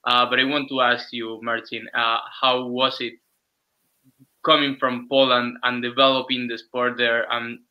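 A man's voice: mid-range voice, flat delivery, a little slow, dull audio. A man hosting an online panel, asking questions steadily with some fillers. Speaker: host.

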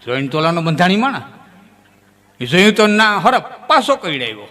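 A man telling comic folk tales to a live audience, his voice pitched a little high and ringing bright. He leaps up suddenly in pitch as the stories build. A long hall reverb trails every line. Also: sing-song, moderate pace. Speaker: folk storyteller. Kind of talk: folk comedy storytelling on stage.

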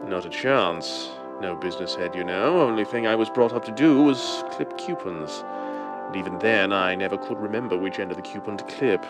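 An actor playing a suave, secretive wealthy gentleman with a smooth, urbane drawl in a 1930s-style radio drama. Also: lowish voice, moderate pace, over loud music, close to an everyday voice. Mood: idle, breezy.

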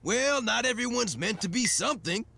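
A man playing a blunt, theatrical and uncaring daycare teacher in a cartoon, with a gravelly voice. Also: very high-pitched, lively intonation, normal speed, sharp tone, a little hiss or hum, heavily acted. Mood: blunt dismissal. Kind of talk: cartoon acting.

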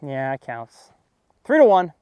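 A man's voice: fairly high pitch, unhurried, lo-fi sound, a little hiss or hum. A young man from Texas, hosting a casual fishing vlog from a boat on a lake, joking and exclaiming at every catch. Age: young adult. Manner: excitable, jokey, exclaims at catches. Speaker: fishing video host. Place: open boat on a lake, outdoors.

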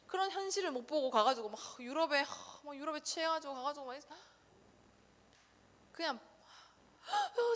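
Animated woman preaching to children in reverberant church. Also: sits high. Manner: animated, quizzes listeners with rhetorical questions. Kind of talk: casual sermon to children. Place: church sanctuary. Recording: long reverb of a church hall.

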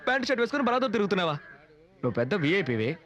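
A man's voice: sits high, very animated, racing, a bit bright, highs cut off. An actor playing a wily small-time con man in jail, sarcastic and wheedling. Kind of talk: Telugu film comedy acting.

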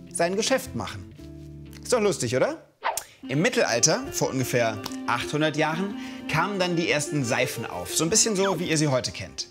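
A cheerful history figure acted by a man in his thirties speaks to kids in a lively, animated voice. Faint music plays below. The delivery is playful and exaggerated. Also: mid-range voice, natural voice. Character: cheerful ancient Roman and medieval peasant man. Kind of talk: costumed history narration for children. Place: studio set with sofa.

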